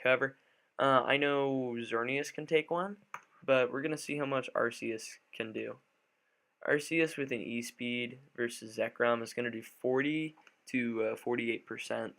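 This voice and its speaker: Just out of bed, this man's mid-range voice sounds slightly raspy yet pushed and bright. Commentating on a game live, he keeps restarting sentences and leaning on fillers as he works things out aloud.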